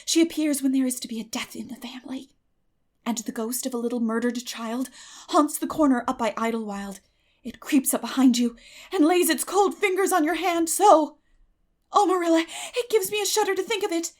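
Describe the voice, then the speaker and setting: A woman's voice: sits high, brisk, voice pushed up, natural voice. A woman voicing a terrified, imaginative little girl in a dramatic audiobook, breathless and melodramatic, with gasps and whispers. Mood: thrilled dread. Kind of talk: dramatic audiobook character acting.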